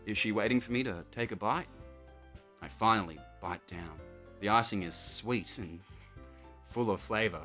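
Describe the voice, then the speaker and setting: A man's voice: on the low side, normal speed, pauses often, sharp tone, faint music behind. A young man hosting a casual playthrough who reads a visual novel aloud and drops joking asides between lines. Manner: laughing asides, mock-narration. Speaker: host and reader.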